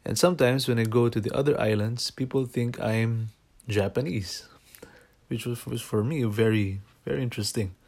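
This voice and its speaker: A man from the Philippines, a guest on a podcast, telling personal stories in a reflective, unhurried way with small restarts. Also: medium pitch, creaky, a little mellow. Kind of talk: personal storytelling.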